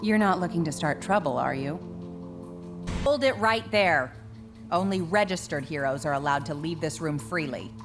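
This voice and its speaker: Smug stern enforcer in a game cutscene, lowish voice, bossy but cool, music behind. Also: female voice, lively intonation, normal speed. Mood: stern, taunting. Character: stern, smug female government enforcer superhuman. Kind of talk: video game cutscene dialogue.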